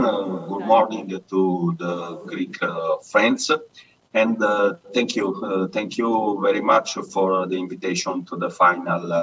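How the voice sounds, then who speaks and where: A man with an Italian accent, lively intonation and a very slow pace. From Italy, Apulia. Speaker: agricultural association representative. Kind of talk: conference presentation. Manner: halting, many fillers.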